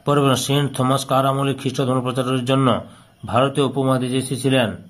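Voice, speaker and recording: A man's voice: mid-range voice, fairly even intonation, a little fast. A man teaching by reading out questions and answers, repeating phrases as if dictating. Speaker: history teacher solving an exam paper.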